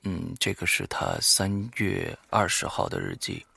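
A man's voice: low voice, very animated, a little slow, creaky, sharp tone, husky, dry recording. A man hosting a horror audio show, reading a diary aloud dramatically and breaking off for offhand, muttered asides.

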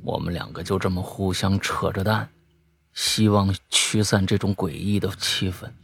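Gravelly man telling a spooky story. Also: deep voice, moderate pace. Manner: lively storytelling with offhand asides.

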